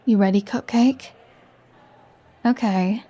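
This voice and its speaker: A woman's voice: medium pitch, slow, mellow, slightly rough. A woman playing a flirty, sardonic vampire in an ASMR roleplay, teasing and sarcastic with a playful threat. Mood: wry, playful. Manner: teasing, sarcastic, conversational with sighs. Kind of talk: ASMR roleplay audio drama.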